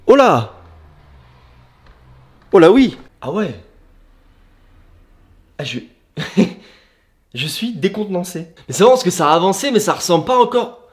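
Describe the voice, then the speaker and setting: Young man, slightly high voice, casual slangy vlog talk, filming himself with a handheld camera in unfinished attic rooms. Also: sing-song, moderate pace, long pauses. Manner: slangy and chatty, laughs often between remarks. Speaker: YouTuber showing his house renovation. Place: unfinished attic rooms of a house under renovation, indoors. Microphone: handheld camera he films himself with.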